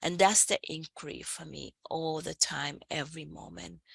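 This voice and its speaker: A woman speaks with vocal fry in a dry, close sound with no echo. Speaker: meditation and reflection facilitator. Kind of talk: reflective group discussion on a video call. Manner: hesitant, many fillers.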